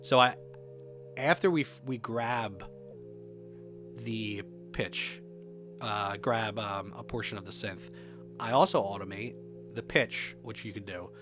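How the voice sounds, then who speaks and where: A man giving a casual software walkthrough as a music production tutorial presenter, thinking aloud informally as he demonstrates. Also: fairly low pitch, takes it slowly, long pauses.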